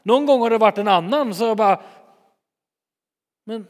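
A man preaching in a relaxed, chatty manner, telling stories with plenty of life. His voice sits fairly high for a man, and a long reverb from a big hall follows every phrase. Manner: lively and chatty, acting out scenes. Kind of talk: sermon, storytelling.

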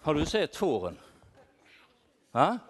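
A worried shepherd, as a man plays him in a church, asks the children one question after another and calls out names. His voice sits high for a man and swoops up and down with plenty of animation. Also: wildly swooping pitch, a little hiss or hum. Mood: searching, playful. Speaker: children's talk leader. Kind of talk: playful role-play for children.

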